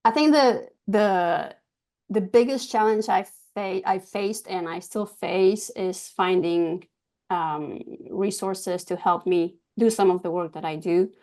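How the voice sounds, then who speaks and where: A woman from Argentina whose first language is Spanish, a guest talking about her business in an interview, pausing often with ums and restarts. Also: mid-range voice, a little mellow. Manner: hesitant, many ums and restarts. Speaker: guest, cybersecurity business owner. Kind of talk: casual interview talk.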